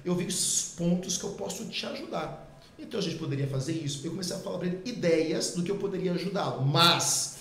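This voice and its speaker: A middle-aged man, a podcast guest, telling a personal testimony in a lively way and acting out the dialogue. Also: high-pitched, a little fast, a little hiss or hum. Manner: lively, acts out quoted dialogue. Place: podcast studio. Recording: echoey room.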